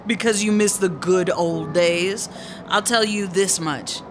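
A woman's voice: lowish voice, takes it slowly, background noise. A woman playing a headstrong, aggrieved female musician in a radio drama, speaking in a blunt, slangy, dismissive way. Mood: confrontational. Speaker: actor in a serialized radio drama. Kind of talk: naturalistic radio drama acting.

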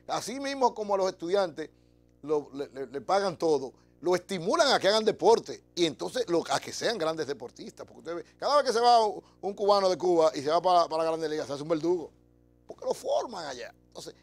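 A man's voice: on the high side, lively intonation, brisk, faint music behind. A middle-aged man with a Dominican accent, hosting a TV show with an emphatic, conversational monologue to camera. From Dominican Republic. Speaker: TV show host. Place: TV studio. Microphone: lapel mic.

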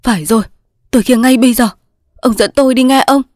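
A woman's voice: fairly high pitch, quick pace, a little mellow, no echo, studio quality, voice pushed up, lightly acted. Woman voicing a frantic young soldier. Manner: pleading, sobbing outbursts. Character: young male resistance soldier, anguished and frantic. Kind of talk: storybook reading.

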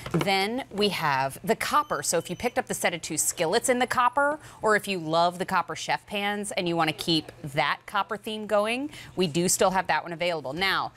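A woman's voice: lowish voice, lively intonation, normal speed, few pauses, a bit bright, slight background noise. A middle-aged American woman presenting live as a home shopping host, chatting emphatically as she sells products. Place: TV studio kitchen set.

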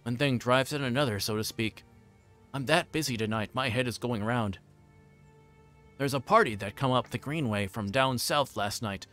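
A man voicing a bustling, forgetful fat innkeeper in a storybook reading, rambling on in a hurried, folksy way. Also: mid-range voice, pushed and bright, soft background music, lightly acted. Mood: flustered, rambling. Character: flustered, bustling, chatty fat middle-aged male innkeeper.

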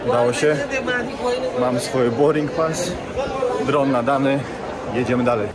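A man's voice: medium pitch, measured pace. A man chatting casually while filming a travel vlog, asking short questions. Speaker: vlogger filming the group. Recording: loud crowd noise around.

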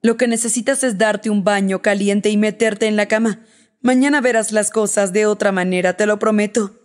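A woman's voice: medium pitch, fairly even intonation, normal speed, natural voice. A woman reader voicing a protective man who speaks firmly and steadily in an audiobook, in nearly her own voice. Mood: soothing. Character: protective man, angry then soothing. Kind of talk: audiobook character reading.

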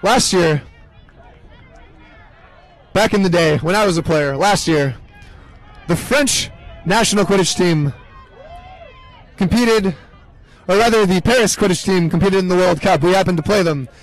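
A young man with a high voice calls the action of a live match. He fills the gaps with deadpan jokes and wandering asides between bursts of play-by-play. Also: moderate pace, long pauses, some chatter behind, low-quality recording. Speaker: sports commentator. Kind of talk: comedic live sports commentary.

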